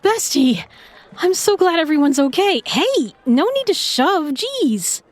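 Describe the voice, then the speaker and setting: A woman's voice: high voice, very animated, slow, no echo, full character voice. A woman playing a feisty, sarcastic young sidekick in a fantasy audio drama, slangy and defiant. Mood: peeved.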